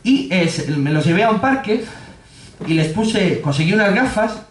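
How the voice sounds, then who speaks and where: A man with a Spanish accent giving a humorous talk in a pub, laughing often and acting out quotes in a high voice. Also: expressive, normal speed, reverberant, a little hiss or hum. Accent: Spanish from Spain. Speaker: speaker giving a public talk. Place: pub with an audience.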